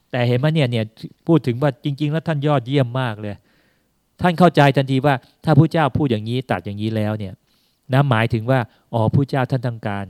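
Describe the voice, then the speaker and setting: A man's voice: medium pitch, a little mellow, dry recording. A man, a Buddhist monk, giving a conversational sermon, retelling a scripture story and then recapping it in plain words, with casual fillers throughout. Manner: sprinkles casual particles and fillers through his talk.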